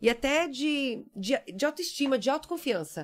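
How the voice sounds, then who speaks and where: The recording is very clean and the background silent. A woman delivers her words at a fairly slow pace. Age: 30s. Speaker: former telemarketing worker and entrepreneur. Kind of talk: interview.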